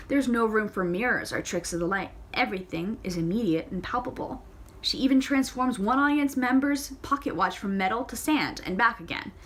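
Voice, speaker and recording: A woman's voice: on the high side, fairly bright tone. A woman reading a novel aloud casually, often correcting her slips and adding playful comments of her own. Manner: reads with fillers, self-corrections and playful side comments. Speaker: audiobook reader.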